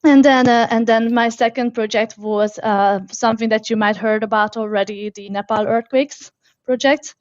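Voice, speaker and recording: A woman in her thirties, originally from Hungary, tells her story as a guest in a casual interview. Her voice sits a bit high, and she stumbles through fillers and restarts with frequent laughs. The sound is dry and somewhat dull. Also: fairly even intonation, moderate pace, no echo. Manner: hesitant, many fillers and restarts, laughs often.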